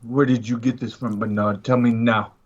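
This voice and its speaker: A man's voice: mid-range voice, flat delivery, moderate pace, dull audio, slight background noise. A man playing a tabletop roleplaying game, chatting casually and improvising in character.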